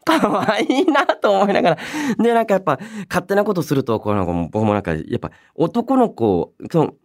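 A man hosting a radio show on his own, reading listener mail and chatting in polite, expressive speech with emphatic reactions and softer asides. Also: sits high, brisk. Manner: polite conversational phrasing.

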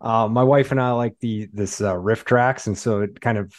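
A man who is a guest on a podcast, talking casually and haltingly with many ums and uhs. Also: fairly low pitch, steady tone, dry recording, clean studio sound. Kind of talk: casual chat.

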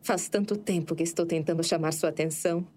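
An actress with a Brazilian accent playing a seductive, scheming nightclub singer and killer in an audio drama, coy and flirtatious. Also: female voice, fairly low pitch, fairly even intonation, brisk, a little mellow, natural voice. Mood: seductive, sinister.

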